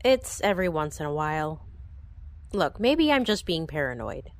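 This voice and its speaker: A woman's voice: deep voice, very animated, moderate pace, no room sound. An actress playing a troubled, guarded woman with no memory who senses danger, in an audio drama. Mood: uneasy, frustrated. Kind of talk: audio drama acting with first-person narration.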